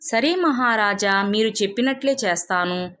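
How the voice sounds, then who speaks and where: A woman's voice: mid-range voice, expressive, normal speed, a bit bright, lightly acted. A woman voicing a humble, kind-hearted village man in a storybook tale, respectful and earnest.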